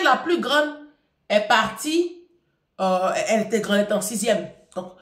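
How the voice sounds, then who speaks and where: A woman's voice: medium pitch, reverberant. A woman from Africa talking casually to an audience, telling a personal story and then giving emphatic parenting advice, addressing listeners directly and repeating phrases.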